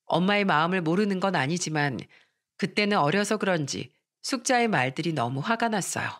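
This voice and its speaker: A woman's voice: on the low side, animated, fairly quick, a bit bright. A woman narrating a listener's first-person story in a scripted storytelling style.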